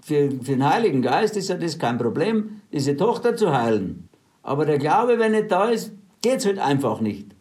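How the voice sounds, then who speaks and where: A man's voice: on the high side, big pitch swings, normal speed, a little mellow. A man preaching a sermon, retelling scripture stories in plain everyday words and urging his listeners on in faith.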